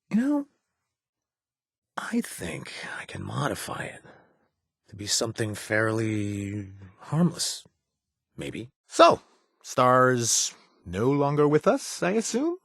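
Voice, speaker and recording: A man's voice: medium pitch, big pitch swings, slow, vocal fry, long pauses, dry recording, clean studio sound, full character voice. An actor playing a nervous, wisecracking male raider companion in a video game, who rambles, jokes and corrects himself mid-sentence. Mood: wry chatty. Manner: rambling, self-correcting, jokey. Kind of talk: game character voice lines.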